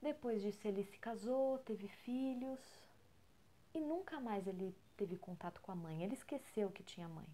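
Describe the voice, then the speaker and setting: Brazilian woman, Brazilian Portuguese accent, soft near-whisper, mellow tone, storytelling podcast at home. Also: mid-range voice, animated, moderate pace. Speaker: podcast co-host. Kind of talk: storytelling talk.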